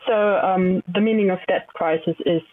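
A woman in her twenties explaining her view as a panelist, with frequent pauses and ums. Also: lowish voice, no echo. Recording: tinny phone-like call line, dry.

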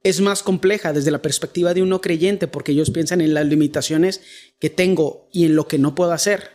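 High-voiced Mexican man, joking faith talk. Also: steady tone, a little fast, darkish tone. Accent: Mexican Spanish. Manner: joking, self-deprecating asides. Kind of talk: casual faith discussion.

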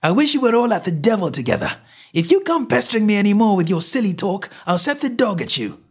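A man doing a furious shouting goose seller. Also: high-pitched, very animated, fast talker, voice pushed up, full character voice. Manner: shouting, gruff. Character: angry male market goose salesman, shouting.

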